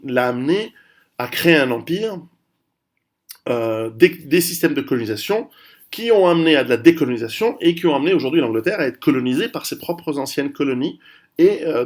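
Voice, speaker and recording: A man of Italian heritage hosting his own video channel, talking casually through a history lesson with many restarts and fillers. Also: mid-range voice. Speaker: video host. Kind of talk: casual history talk to camera.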